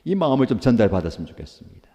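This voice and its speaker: A man's voice: mid-range voice, big pitch swings, very fast, mellow, long reverb tail. A man preaching a daily devotional sermon as pastor, earnestly asking rhetorical questions and answering them himself.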